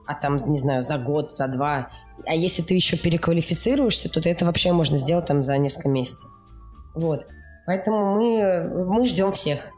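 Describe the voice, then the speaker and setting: A woman's voice: low-pitched, normal speed, a little mellow, soft background music. A woman speaking as an interview guest, explaining things in an informal, emphatic way with mock quotes to illustrate. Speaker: animation studio production executive, interview guest. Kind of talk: explanatory interview talk with acted-out examples.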